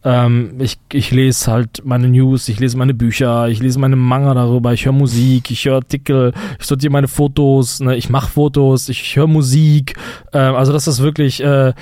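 A man's voice: medium pitch, flat delivery, normal speed, mellow, dry recording. A man co-hosting a casual podcast, rambling and emphatic, full of fillers and restarts, close to the mic. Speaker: podcast co-host.

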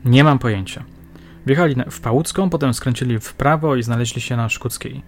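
A man's voice: medium pitch, fairly quick, a little hiss or hum, natural voice. A man voicing a tough, sardonic female police officer who smokes, in an audiobook. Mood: dry.

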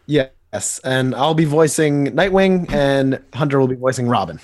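Lively male podcast host. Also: medium pitch, measured pace. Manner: lively narration of panels. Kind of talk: reading a comic aloud.

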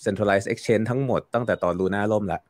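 A man talks through a topic as an interview guest, his voice sitting on the low side. He explains at length, leaning on fillers and repeating words as he thinks. The sound is dry and close. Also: fairly even intonation, moderate pace, dry recording. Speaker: guest commentator. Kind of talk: casual interview talk.

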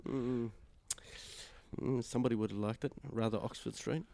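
A man's voice: medium pitch, fairly even intonation, moderate pace, vocal fry, mellow. Young host, mid-range male voice, crude jokey banter. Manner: joking, crude, banters and teases. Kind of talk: casual podcast chat.

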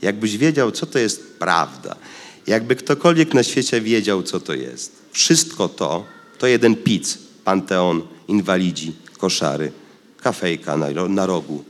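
A man's voice: low voice, animated, a little slow, big-room sound. Man reading as a mocking know-it-all uncle. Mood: bitter.

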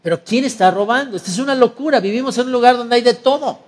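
A man's voice: high-pitched, animated, moderate pace, darkish tone. A man voicing a stern island tribal chief. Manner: firm, solemn proclamations.

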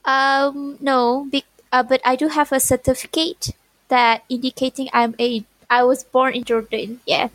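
High-voiced, hesitant woman on a video call. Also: little pitch movement, unhurried, fairly bright tone, no echo, poor audio. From Malaysia. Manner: shy, hesitant, many fillers. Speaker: podcast guest.

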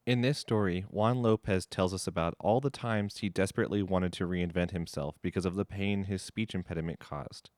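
A man opens a storytelling podcast with a scripted introduction. He reads in a measured, even way, and his voice sits very low. The recording is close and dry. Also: no echo. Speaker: podcast host.

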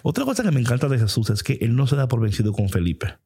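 A male preacher delivers a heartfelt devotional message in a conversational, passionate manner, now and then slipping English words into his speech. His voice is dark and mellow with a husky edge. He talks straight to the listener, as if in close conversation. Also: mid-range voice, very animated, quick pace. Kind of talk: devotional sermon.

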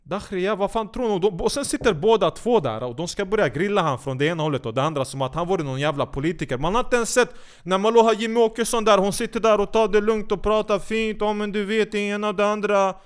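High, clear-voiced man ranting angrily. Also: expressive. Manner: angry, sarcastic, scolding, swears a lot. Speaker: commentator. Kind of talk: heated profane rant.

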